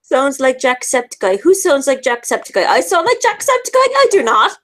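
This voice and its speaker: A woman's voice: sits high, very animated, moderate pace, a bit bright. A woman from Ireland, chatting bluntly and sarcastically on a casual group stream. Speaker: stream co-host. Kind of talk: casual chat.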